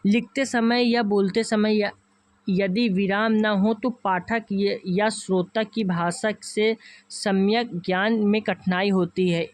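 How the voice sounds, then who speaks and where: A man's voice: high-pitched, steady tone, slow pace, dry recording. A man teaching an online exam-prep class with a north Indian Hindi accent, calling his viewers friends and going through each option patiently and repeatedly.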